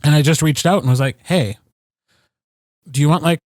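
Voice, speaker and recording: A man chatting casually and reflectively as a podcast co-host, in a halting, conversational way. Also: a little high, dry recording, studio quality. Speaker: podcast co-host and audiobook narrator.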